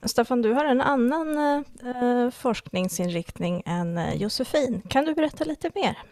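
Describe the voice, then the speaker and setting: A woman's voice: fairly high pitch, lively intonation, darkish tone. A woman hosting a casual interview, speaking in an enthusiastic, encouraging manner. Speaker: interviewer, podcast host.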